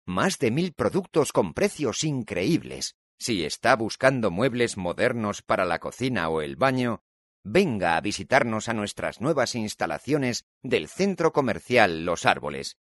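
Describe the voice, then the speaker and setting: A lowish male voice reads radio ads with a clear announcer delivery and lots of melodic movement. The recording is dry and close, with no room sound. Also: very animated, a little slow, fairly bright tone, no echo. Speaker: ad voice-over reader. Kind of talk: read-aloud radio ad for a listening exam.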